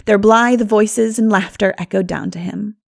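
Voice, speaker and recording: A woman reading a classic novel as an audiobook narrator, in an expressive storytelling manner. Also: mid-range voice, unhurried, creaky. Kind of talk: scripted literary narration.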